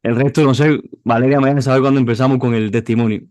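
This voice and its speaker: A man's voice: mid-range voice, fairly even intonation, fast talker, darkish tone, clear, resonant tone, no room sound. A man in his twenties with a Cuban accent, a youth pastor telling his life story in an interview, often restarting and repeating words as he goes. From Cuba. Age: 20s. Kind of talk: personal testimony interview.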